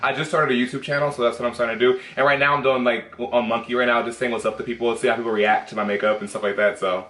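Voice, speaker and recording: A man's voice: mid-range voice, fairly even intonation, very fast, few pauses, a bit bright. A man from Oakland, a drag queen chatting casually with strangers in a sassy, chatty manner. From Oakland, California. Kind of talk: casual chat with strangers on video chat. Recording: roomy echo with music behind.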